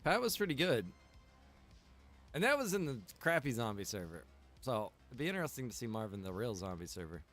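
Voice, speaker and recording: A man with a medium-pitched voice chats casually as he streams a game, with music playing behind him. His talk is slangy and playful, addressed straight to his viewers like friends. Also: sing-song, brisk, fairly bright tone. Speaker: live streamer. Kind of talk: casual livestream chat while gaming.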